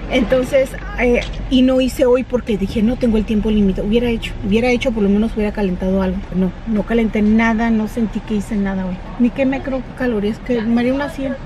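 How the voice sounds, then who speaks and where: Talking a bit fast with hardly any pauses, this woman has a slightly high, steady voice. The thirty-something vlogger chats to camera while driving on errands, switching to English with staff and kids, recorded on a dashboard-mounted camera with clear road noise inside the car, at a drive-through and in a parking lot.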